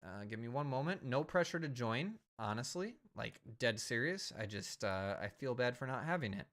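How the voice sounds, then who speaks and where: A man's voice: mid-range voice, animated, normal speed, a bit bright. A man in his thirties, a streamer wrapping up a live stream in rambling casual chat, a little tipsy and slurring his words. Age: 30s. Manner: rambling, self-repeating, chatty.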